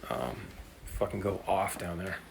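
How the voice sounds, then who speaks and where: A man on a casual live stream from his phone, rambling and swearing as he talks with his mouth full and often clears his throat. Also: low-pitched, lively intonation, a little slow, background noise. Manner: talks while eating. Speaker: musician livestreaming to fans. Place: at home grill, cooking dinner. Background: sizzling food on the grill.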